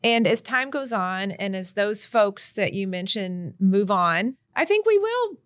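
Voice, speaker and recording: A woman's voice: mid-range voice, sing-song, a little slow, no echo. A woman hosting a podcast, responding to a colleague in a supportive, reflective way. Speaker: podcast host. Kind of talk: podcast conversation.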